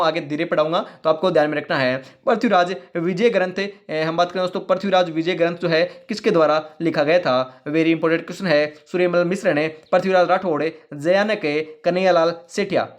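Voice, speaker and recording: A man teaching a fast quiz-style online exam-prep class, drilling answers over and over, his throat strained from talking fast. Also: fairly high pitch. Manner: rapid, repetitive quiz drilling with motivational asides.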